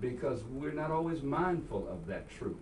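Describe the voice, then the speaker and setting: A man talks at a fairly quick pace. Audible room echo and noticeable background noise fill the recording. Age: 60s. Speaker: pastor. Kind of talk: radio interview.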